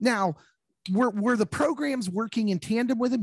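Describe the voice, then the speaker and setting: Over a quiet background, a man with a Midwestern American accent is heard in dry, close sound with no echo. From Kansas (Lawrence). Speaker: sports podcast host. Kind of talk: casual chat.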